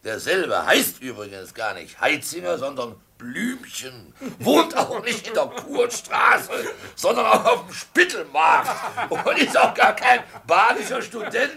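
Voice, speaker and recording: An actor playing a jovial, wheedling village innkeeper in a German radio drama, hesitating and repeating words like an eager storyteller. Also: male voice, high-pitched, very animated, a little slow, vocal fry, few pauses, a crowd in the background, full character voice. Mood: amused storytelling.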